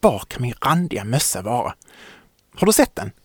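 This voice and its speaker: A man's voice: medium pitch, sing-song, slightly rough, no room sound, clean studio sound. A man voicing a forgetful father who mutters and grumbles to himself. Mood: fretful.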